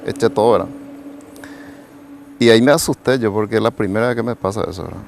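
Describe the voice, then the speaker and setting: A pastor and evangelist from Paraguay, appearing as an interview guest, rambles through a personal testimony, tagging nearly every phrase with a questioning "right?". His voice is on the low side, gravelly and quick, with slight background noise.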